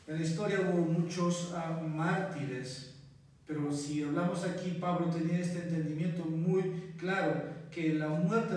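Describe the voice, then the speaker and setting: Male pastor, slightly high voice, earnest sermon delivery, very reverberant church, heard from a distance. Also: darkish tone. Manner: earnest, repeatedly addresses listeners as brothers, with thinking fillers. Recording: very echoey church hall, voice from far off.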